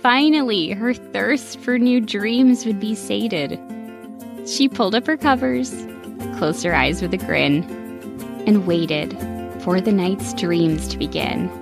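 A woman gently and expressively reading a rhyming bedtime story aloud. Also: mid-range voice, slow, gravelly, over music. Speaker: storybook narrator.

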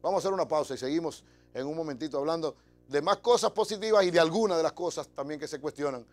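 A man's voice: on the high side, quick pace, soft background music. A middle-aged man with a Dominican accent, hosting a TV show with an emphatic, conversational monologue to camera. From Dominican Republic. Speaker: TV show host. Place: TV studio. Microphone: lapel mic.

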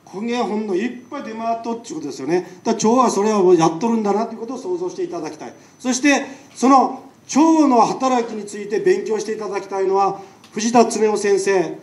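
A man's voice: high voice, fast talker, few pauses. A man with a Nagasaki accent giving a public lecture as a doctor, chatty and firing rhetorical questions at the audience. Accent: Nagasaki dialect. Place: lecture hall. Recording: echoey hall, mic far off.

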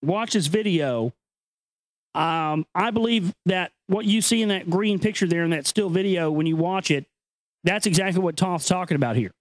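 A man's voice: high voice, moderate pace, no room sound, low-quality recording. A man hosting a show, moving between dramatic reading and casual, earnest, conspiratorial commentary. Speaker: host reading an ancient text with commentary.

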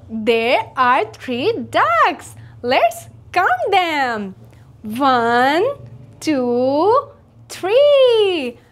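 A young woman presenting a children's educational lesson in a bright, sing-song, exaggerated cheerful manner, like an educational toy. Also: high-pitched. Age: young adult. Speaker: children's counting lesson host.

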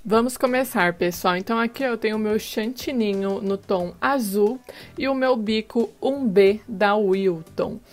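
A woman in her thirties with a Brazilian accent, presenting a casual tutorial as a channel host on a lapel mic. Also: fairly high pitch. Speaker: host of a cake decorating channel. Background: background music.

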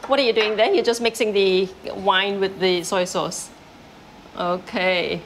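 A woman's voice: mid-range voice, fairly even intonation, unhurried, a little hiss or hum. Upbeat woman hosting a food show. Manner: upbeat, chatty, talks with mouth full. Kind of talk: travel food presenting.

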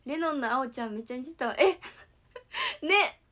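Young female idol host, lively chatty streamer, slightly high voice, keeps thanking her viewers. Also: moderate pace. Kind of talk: casual livestream chat.

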